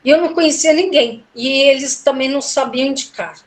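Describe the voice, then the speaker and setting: A middle-aged woman with a fairly high voice tells a personal story in relaxed conversation. She retells it with feeling and slips into the voices of the people she quotes. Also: brisk. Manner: emotional, animated retelling with quoted dialogue. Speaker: guest telling a personal story. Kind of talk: casual storytelling interview.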